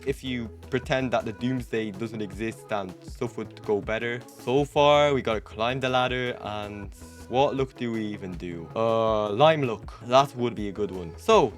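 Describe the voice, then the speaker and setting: Young man commentating over music. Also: mid-range voice. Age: young adult. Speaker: gaming video host. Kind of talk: casual gameplay commentary to camera. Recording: music behind the voice.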